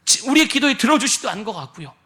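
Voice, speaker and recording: High-voiced bright Korean male preacher. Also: very animated, very fast. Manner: dramatic preacher acting out prayers and Jesus' words; drops to a near whisper for Jesus' words. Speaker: pastor. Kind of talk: sermon.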